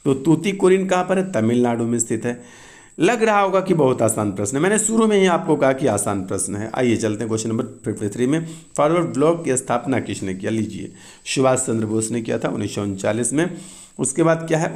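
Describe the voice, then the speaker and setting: Casual male teacher with a Bihari Hindi accent, mid-pitched, briskly reviewing exam questions. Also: a little mellow. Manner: explains quickly and casually, often adds asides. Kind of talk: exam answer walkthrough.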